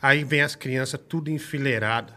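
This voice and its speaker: A man's voice: medium pitch, normal speed. A man in his thirties with a Brazilian accent, telling a personal story in casual podcast chat, swearing freely and acting out what people said. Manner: animated, swearing, acts out quoted voices.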